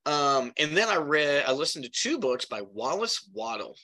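A man's voice: fairly high pitch, sing-song, moderate pace, bright, forceful tone. A middle-aged man hosting his own podcast in a casual, chatty way, with many fillers and a slightly congested voice from pollen. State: congested from pollen, occasional cough. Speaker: podcast host. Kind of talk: casual solo podcast talk.

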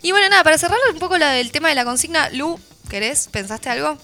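An Argentine woman with a Rioplatense accent co-hosts a relaxed radio chat. Her tone is bright and crisp, her delivery chatty and animated. A little music sits faintly under her voice. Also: high voice, quick pace. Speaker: radio show co-host. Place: radio studio.

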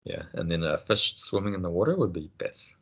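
A man teaching a casual language lesson, patient and encouraging, explaining things slowly. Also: low voice, animated, a bit bright, breathy edge.

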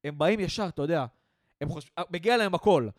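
A man's voice: fairly high pitch, no echo, clean studio sound. A young man co-hosting a podcast, ranting in casual chat and acting out what people say. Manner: animated ranting, acts out quotes. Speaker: podcast co-host.

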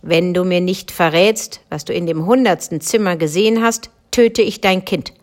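A menacing woman in black from a storybook gives orders and threats in a cold, commanding tone, voiced by a woman reading aloud. She sounds stern and unyielding, with no warmth in her voice. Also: medium pitch, expressive, moderate pace, close to an everyday voice. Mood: threatening.

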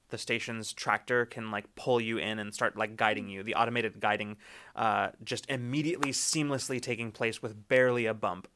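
Bright, clear-voiced male game master. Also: mid-range voice. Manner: rambling, many fillers and restarts. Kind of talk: narrating a tabletop game.

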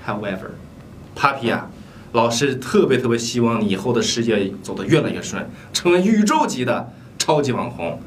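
A man plays an English teacher in a comedy sketch, lecturing his pupil with a very lively, swinging pitch. He drags out English words slowly to correct pronunciation. A faint hiss sits under the voice. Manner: lecturing tone, addresses the student directly.

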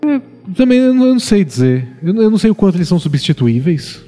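A man co-hosting a casual podcast, reading listener questions aloud and chatting about them in a relaxed way. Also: high-pitched, fast talker, in a large hall, soft background music.

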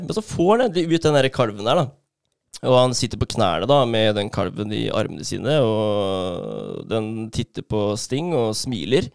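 A man tells a story in an easy, chatty way, breaking in with fillers and bursts of laughter. His voice has a gravelly edge but stays smooth and resonant. The sound is dry and close, with no room echo. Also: mid-range voice. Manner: animated retelling with many fillers and laughs. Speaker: podcast co-host. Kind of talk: casual storytelling chat.

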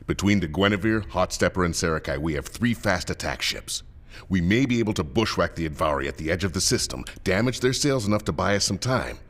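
Grim fleet commander, deep, deliberate, unyielding, sci-fi audio drama. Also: male voice, expressive. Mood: calculating. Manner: firm, deliberate. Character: grim, resolute male military commander. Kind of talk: science fiction audio drama acting.

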